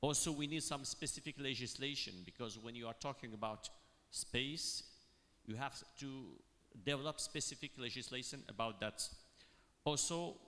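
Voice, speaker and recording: A man from Morocco speaking on a panel, halting and full of fillers and restarts. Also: mid-range voice, pushed and bright. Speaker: university panelist. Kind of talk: panel discussion remarks. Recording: long hall reverb.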